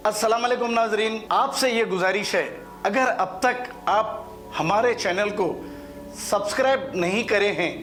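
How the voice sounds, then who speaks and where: A male channel presenter with a high voice makes a scripted appeal to viewers. Faint music plays behind him. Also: unhurried, fairly bright tone.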